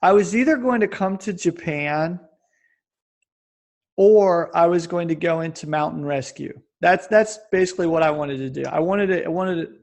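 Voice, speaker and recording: A man in his forties from the United States, a fitness coach telling stories in a rambling, animated way with many restarts. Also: fairly high pitch, normal speed. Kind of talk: casual interview chat. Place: lives in Japan.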